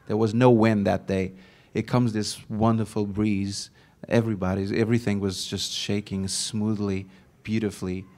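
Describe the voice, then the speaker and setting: Earnest man, lowish voice. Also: level tone, a little mellow. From Portugal. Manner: earnest, halting with many restarts. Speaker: actor. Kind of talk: casual recollection at a panel.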